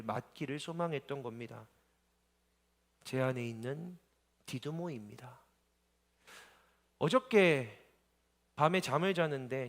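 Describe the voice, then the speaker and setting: Man in his thirties, pastor, sermon, church hall, quiet storytelling rising into pleading cries. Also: a little high.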